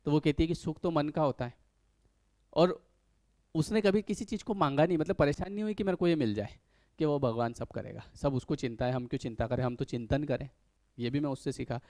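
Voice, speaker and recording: A man's voice: a little high, a little fast, dark tone, dry recording. A man giving a casual motivational talk to viewers as a life coach, speaking in a conversational way and acting out little everyday scenes. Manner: conversational, acts out little scenes in other voices.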